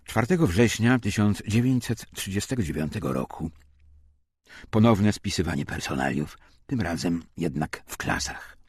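A man reading a scripted documentary memoir as an audiobook narrator, with measured, formal and dramatic delivery. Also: low-pitched, animated, slightly rough, no room sound, studio quality.

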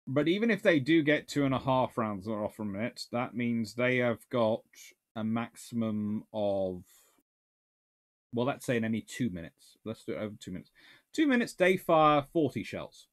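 A man's voice: mid-range voice, lively intonation, moderate pace. A man, a naval historian answering viewer questions in a casual live Q&A, rambling and correcting himself as he thinks aloud. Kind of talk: casual livestream Q&A. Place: small home study lined with books.

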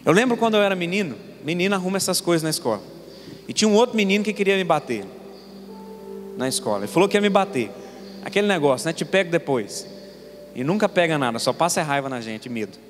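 Speaking fast with a high-pitched voice and lively intonation, this young Paraná pastor in his twenties delivers a sermon full of stories and rhetorical questions for his congregation. Faint music plays behind him, and the sanctuary adds long reverb and faint ambience.

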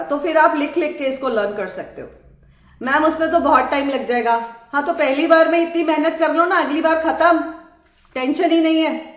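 A high-pitched woman from India gives an animated law lesson, coaxing her students along and slipping English phrases into her explanations. The sound is muffled and carries a noticeable room echo. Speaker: law teacher. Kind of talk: classroom lecture.

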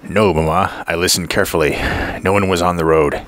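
A man doing a tired quiet young man. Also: sits low, a little fast. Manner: subdued, tired monotone.

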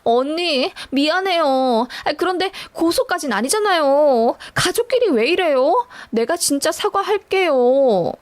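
A woman's voice: sits high, lively intonation, measured pace, hardly any pauses. A woman voicing a spoiled young sister-in-law who talks brashly and whines. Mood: pleading.

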